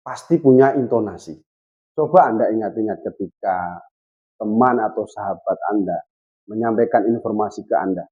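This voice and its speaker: Man, public speaking trainer, instructional talk, mellow tone, demonstrative intonation, slightly lo-fi sound. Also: medium pitch. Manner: varies intonation on purpose to demonstrate.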